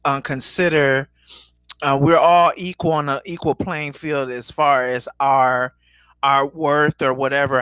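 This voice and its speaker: Bright-voiced man, dry close sound. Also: a little high, clean tone, no room sound. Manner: measured, thoughtful, many fillers. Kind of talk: casual podcast commentary.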